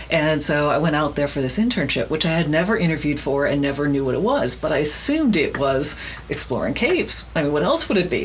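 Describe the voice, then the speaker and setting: A woman with an American accent talks at a fairly quick pace, her pitch swinging very widely. Noticeable background noise and audible room echo surround her voice. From Miami, Florida. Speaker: park ranger. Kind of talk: interview.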